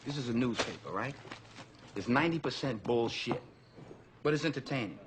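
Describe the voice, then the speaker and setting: An actor playing a domineering middle-aged cop in a film scene, talking in a bossy, taunting way. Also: male voice, medium pitch, lively intonation, moderate pace, a little hiss or hum, lightly acted. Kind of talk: film drama acting.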